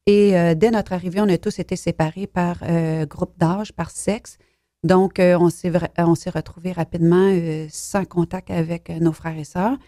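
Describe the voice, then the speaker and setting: A woman from Belgium speaks softly and haltingly, often trailing off into a near whisper. Her voice is fairly low and mellow. The recording is dry and close. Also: fairly even intonation, dry recording. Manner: soft-spoken, hesitant, drops to near whisper. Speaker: author guest. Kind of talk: personal testimony in an interview.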